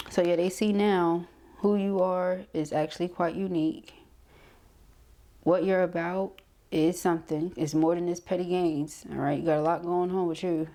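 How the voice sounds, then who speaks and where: A tarot card reader with a lowish, dark voice gives a casual reading, speaking conversationally to the listener. She often checks in with short tags such as "okay" and "right."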